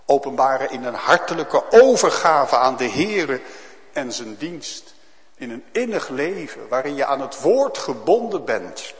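Slow, lively-voiced preacher in a church. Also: male voice, medium pitch. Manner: solemn preaching, rising to loud emphatic calls. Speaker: pastor. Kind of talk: sermon. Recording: long church reverb.

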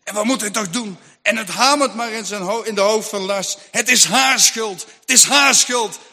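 A man's voice: high-pitched, normal speed, bright, forceful tone. A man voicing a desperate, pleading farmer. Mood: anguished. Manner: pleading, anguished. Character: desperate farmer father, terrified, praying. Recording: long hall reverb.

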